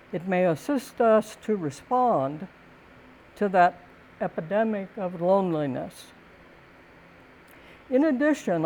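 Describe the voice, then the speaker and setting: An older woman giving a prepared talk in a calm, gentle, deliberate way, with thoughtful pauses between phrases. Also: medium pitch, rough recording. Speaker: speaker giving a talk on community and housing.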